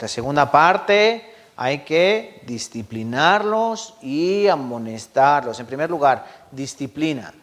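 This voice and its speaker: A man preaching a sermon as pastor, often asking the congregation questions. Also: mid-range voice. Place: church.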